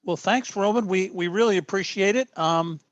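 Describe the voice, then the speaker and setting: A man's voice: high-pitched, moderate pace, no echo. A man hosting a club's video meeting, telling a rambling story full of fillers and restarts. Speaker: club meeting host. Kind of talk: casual chat on a video meeting. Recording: dull dry mic sound.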